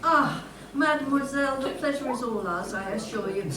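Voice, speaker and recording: A woman's voice: high-pitched, normal speed, natural voice. A woman playing an over-courteous, smarmy game show host in a comedy sketch. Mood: gushing. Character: polite, smarmy game show host of an antiques panto spoof. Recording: echoey room, distant mic, clear noise.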